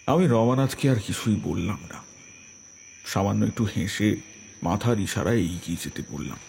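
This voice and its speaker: A man narrating a scripted horror story in a slow, measured, atmospheric way. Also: lowish voice, expressive, creaky, darkish tone, slight background noise.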